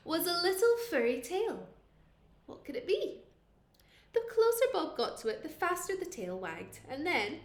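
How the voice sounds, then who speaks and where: A primary school teacher, a woman, reads a picture book to young children with expression, using dramatic pauses and questions for her listeners. Her voice sits high and a bit bright, and the sound is reverberant.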